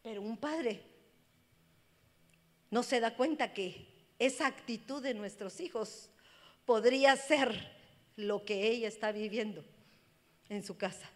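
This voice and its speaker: Brief: high-pitched woman pastor, fervent sermon, lingering church-hall reverb. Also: slow, pauses often. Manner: impassioned, swings from loud cries to hushed speech.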